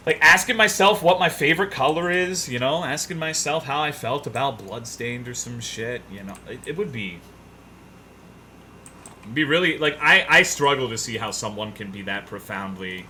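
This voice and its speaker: A man chatting casually on a livestream, rambling and swearing in a self-deprecating, animated way. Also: medium pitch, slight background noise. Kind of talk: casual livestream chat, reading viewers' messages aloud.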